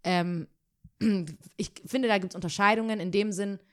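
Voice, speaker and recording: A woman's voice: medium pitch, steady tone, measured pace, a bit bright. A young woman, co-hosting a podcast in casual chat, thoughtful and hedging with many fillers. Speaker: podcast co-host.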